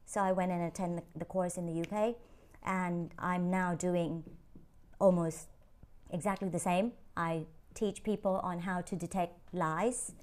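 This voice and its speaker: A woman's voice: fairly low pitch, fairly even intonation, a little slow, darkish tone. A woman image consultant answering interview questions, explaining her work in an easy way and laughing often. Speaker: image consultant and lie-detection trainer.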